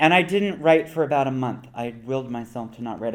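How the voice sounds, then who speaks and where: Talking at a fairly quick pace, a man has a Mid-Atlantic US accent and ordinary pitch variation. Room echo is audible. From rural Pennsylvania. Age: 50s. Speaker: poet. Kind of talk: lecture. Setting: stage with audience.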